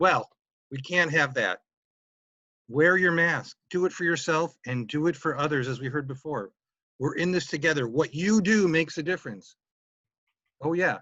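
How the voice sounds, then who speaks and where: Over a quiet background, a man talks at a moderate pace in a fairly high pitch. His pitch varies in an ordinary way, broken by long, frequent pauses. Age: 60s. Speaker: public health official. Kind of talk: prepared speech.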